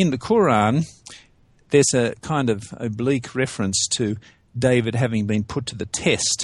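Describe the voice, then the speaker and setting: A man with an Australian accent, medium-pitched, at a moderate pace, with ordinary pitch variation over a quiet background. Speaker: academic on Islam. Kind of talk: interview. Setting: video call. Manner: hesitant, repeats words.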